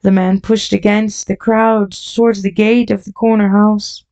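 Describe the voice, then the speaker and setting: Woman audiobook narrator, low and gravelly, dull lo-fi sound. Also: flat delivery, a little slow, mellow. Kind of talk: scripted narration.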